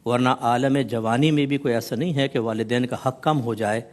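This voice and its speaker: A male religious scholar explains his teaching on a television talk show. He speaks in a measured way and builds rhythmic lists of points. His mid-range voice is sprinkled with English words. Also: medium pitch, fairly even intonation, darkish tone.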